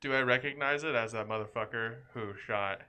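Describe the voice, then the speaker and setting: A man's voice: mid-range voice, a little fast, smooth. A man playing a tabletop role-playing game, chatting casually and asking about the rules. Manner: lively, asks rules questions. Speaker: player.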